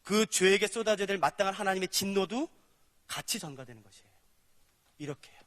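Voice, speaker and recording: A man's voice: high-pitched, brisk, a bit bright, big-room sound. A male pastor preaching a sermon, animatedly acting out dialogues between God and sinners.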